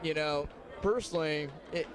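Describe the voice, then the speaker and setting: Eager fan interviewer, slightly high voice. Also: male voice, moderate pace. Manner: eager, rambling questions with fillers. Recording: crowd noise behind.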